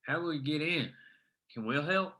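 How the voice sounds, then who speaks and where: A man's voice: fairly high pitch, lively intonation, moderate pace, bright, forceful tone. A man acting a plain-spoken, reassuring small-town man at a screenplay table read, with a folksy manner. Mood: earnest, determined.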